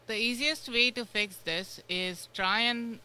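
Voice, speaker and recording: Woman guest from india, bright tense voice, rambles w lots of likes and uhs, radio studio. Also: fairly high pitch, slow pace, slight background noise. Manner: rambling, filler-heavy with many "like" and "uh". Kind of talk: casual interview chat.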